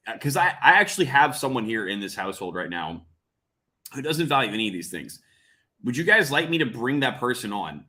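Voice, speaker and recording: Male livestream host, mid-pitched and sharp, excitable, teasing, repetitive, chatting loosely with viewers. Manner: excitable, repeats phrases, teasing, swears. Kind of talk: casual livestream commentary to chat.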